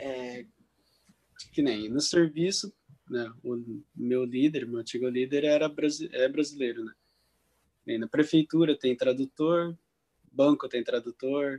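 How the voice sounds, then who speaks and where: Very slowly and with long, frequent pauses, a man speaks in a medium pitch with ordinary pitch variation and a dark, mellow tone, recorded with a dry, close sound and no echo. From Brazil. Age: 20s. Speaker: factory worker living abroad. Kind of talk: casual chat.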